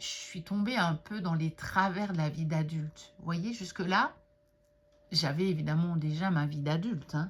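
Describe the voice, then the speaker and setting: Speaking at a very slow pace, a woman uses a fairly low pitch with ordinary pitch variation and a somewhat breathy quality. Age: 60s. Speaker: tarot card reader and vlogger. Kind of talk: casual vlog monologue. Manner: hesitant with many fillers.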